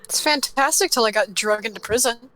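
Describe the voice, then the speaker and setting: A woman chatting casually as a player in a tabletop role-playing game, blunt and excitable. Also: a little high, fairly quick, low-quality recording.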